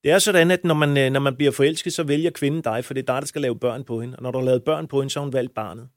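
A man's voice: mid-range voice, fairly even intonation, dry recording, clean studio sound. A man talking as a coach in an interview, blunt and emphatic, with frequent crude language. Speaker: men's coach. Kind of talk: interview answers.

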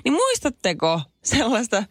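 Woman radio co-host, really lively up-and-down voice, dry close studio mic. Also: fairly high pitch, dry recording. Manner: expressive, exclaiming. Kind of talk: casual radio banter.

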